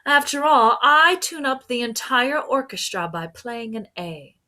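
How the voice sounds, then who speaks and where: Self-important oboe character, done by a woman, confiding, slow, deliberate, storybook. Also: a little high, animated, sharp tone, voice pushed up.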